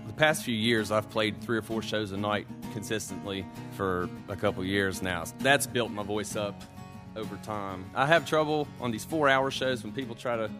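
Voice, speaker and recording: Loud, chatty lower-voiced man. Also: fairly even intonation, moderate pace, over music. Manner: loose, chatty, laughs easily. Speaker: singer-songwriter guest. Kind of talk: casual interview answers.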